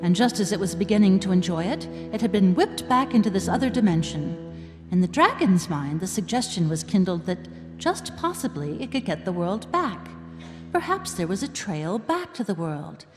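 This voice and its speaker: A woman's voice: mid-range voice, big pitch swings, normal speed, natural voice. A woman performing as a wry, arch narrator in a live audio play, with theatrical delivery. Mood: dramatic. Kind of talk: dramatic scripted narration. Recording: live hall reverb, music behind.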